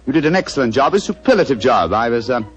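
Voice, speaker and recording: An actor playing a brilliant, self-assured male detective in a 1940s radio drama, crisp and theatrical. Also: medium pitch, very animated, quick pace, close to an everyday voice. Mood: confident amused. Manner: crisp, theatrical, relishing his deductions. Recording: dull old radio recording with music.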